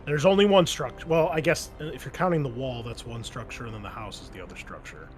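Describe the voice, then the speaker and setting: Male game master, medium pitch, patient and slightly halting casual explainer, faint music underneath. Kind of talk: casual online tabletop roleplaying game talk. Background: background music.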